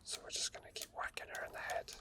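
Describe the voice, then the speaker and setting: A man doing soft, rambling ASMR commentary over his own gameplay, thinking aloud in an unhurried way. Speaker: ASMR gaming video host. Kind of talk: whispered ASMR game commentary.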